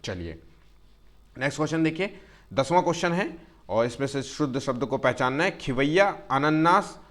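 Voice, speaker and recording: A man's voice: fairly high pitch, a bit bright. Man teaching Hindi grammar, filler-heavy. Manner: repetitive filler "jo hai", stretches words out slowly to spell them; tells students to take care and keeps checking "theek hai". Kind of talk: exam-prep Hindi grammar lesson.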